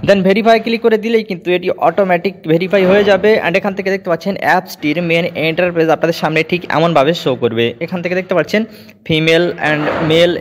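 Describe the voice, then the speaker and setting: A man narrates an app tutorial as its host. His voice sits high for a man and he races through each step at an extremely quick pace. English words are sprinkled through his instructions. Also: a little hiss or hum.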